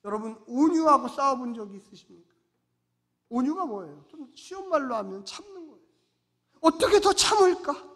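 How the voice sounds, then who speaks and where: A man preaching a sermon as pastor, emphatic, repeating rhetorical questions and swinging between loud and soft delivery. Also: very high-pitched, lively intonation, a little fast. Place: church sanctuary. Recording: long church reverb.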